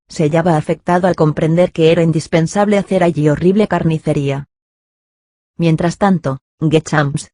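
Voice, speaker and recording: Steady male audiobook narrator. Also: a little high, no room sound, clean studio sound. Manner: steady, measured storytelling. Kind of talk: scripted literary narration.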